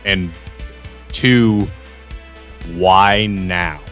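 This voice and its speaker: A low-voiced man speaks very slowly and deliberately, leaving pauses between phrases as he improvises in a tabletop game. Faint music runs behind his casual delivery. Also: fairly bright tone. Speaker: tabletop roleplay player. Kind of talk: casual improvised roleplay chat.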